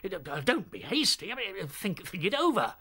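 Radio play's elderly rabbit ruler. Doddery, self-important, throat-clearing, extremely animated intonation. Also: male voice, high voice, normal speed, exaggerated voice. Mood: flustered, placating. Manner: hesitant, blustering, throat-clearing. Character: doddering, pompous old male chief rabbit. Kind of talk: radio drama acting.

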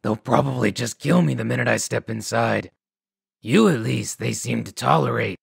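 A man voicing a weary, bitter, self-deprecating ghoul scavenger in a video game, raspy and gravelly, with grudging, halting delivery. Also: medium pitch, dry recording, clean studio sound, exaggerated voice. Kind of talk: video game dialogue acting.

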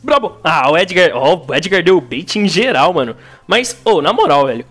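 A young man with a Brazilian accent commentates his own gameplay, bursting into exclamations and slang. His pitch leaps up and down constantly, and faint game music plays underneath. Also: very animated, normal speed, a bit bright. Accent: Brazilian Portuguese. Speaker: gaming YouTuber.

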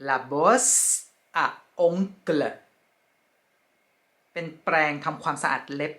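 A woman teaching French vocabulary in a slow, careful way, repeating each word twice and ending her phrases politely. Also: sits low. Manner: polite, ends phrases with soft particles. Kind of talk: vocabulary lesson.

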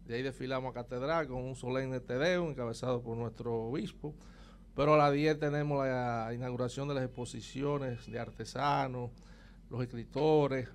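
A man's voice: medium pitch, slight background noise. A Dominican man in his sixties, a guest on an outdoor morning TV panel, talking proudly and emphatically into a handheld mic. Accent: Dominican Spanish. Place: outdoor street set with murals.

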